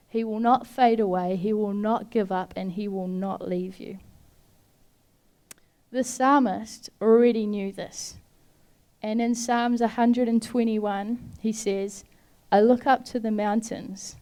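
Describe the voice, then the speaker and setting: A woman delivers a heartfelt devotional message, speaking to the listener directly and urging them gently. Her voice is mellow and warm, with a smooth, clear tone. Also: a little high, fairly even intonation, slow pace. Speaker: speaker giving a devotional talk. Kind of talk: earnest devotional talk.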